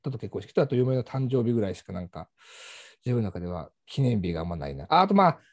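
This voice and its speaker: A man with a faded Kansai accent co-hosts a casual podcast, easygoing and quick to laugh. He talks fast with big pitch swings in a mellow, fairly low voice. The sound is dry. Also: sing-song, dry recording. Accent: faded Kansai Japanese. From Kansai, Japan. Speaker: marketing teacher, co-host.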